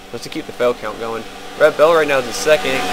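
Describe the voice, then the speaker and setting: A man of medium pitch over noticeable background noise. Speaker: racing game commentator. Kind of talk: live commentary. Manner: stuttering, stumbling over words.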